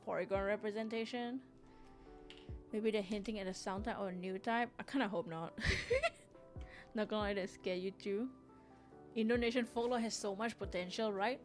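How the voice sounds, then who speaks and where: A chatty woman from Singapore talking casually while she draws on a live stream. Her voice sits at a middle pitch and she rambles, restarting her sentences as she answers chat. Faint music plays quietly behind her. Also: steady tone, normal speed, long pauses. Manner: chatty, rambling, reads chat aloud, frequent restarts and laughs. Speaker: livestream artist host.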